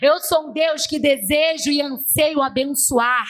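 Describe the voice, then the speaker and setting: A Brazilian woman preaching voices God as a solemn, fatherly figure, speaking in slow, measured declarations. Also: high-pitched. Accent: Brazilian Portuguese.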